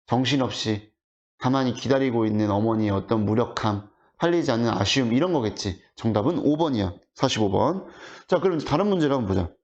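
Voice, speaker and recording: A man teaching high school literature in an online lecture, talking casually and asking his students rhetorical questions. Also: a little mellow. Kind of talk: online exam explanation lecture. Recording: dull lo-fi audio.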